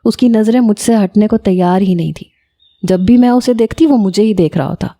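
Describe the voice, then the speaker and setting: Woman reading a love story aloud, calm, really mellow dark tone. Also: medium pitch. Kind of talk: first-person romance narration.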